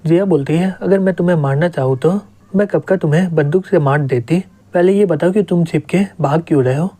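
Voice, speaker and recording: A young man narrating a manga story recap, reading out every character's lines in the same steady voice. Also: a little high, brisk.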